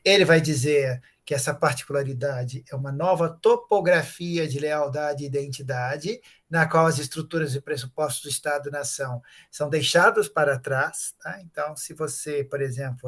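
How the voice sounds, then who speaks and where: A man's voice: a little high, fairly even intonation, moderate pace, fairly bright tone. A man with a Brazilian Portuguese accent, a professor giving a conference lecture in an explanatory way, with many fillers and tag questions. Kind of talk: academic lecture, unscripted.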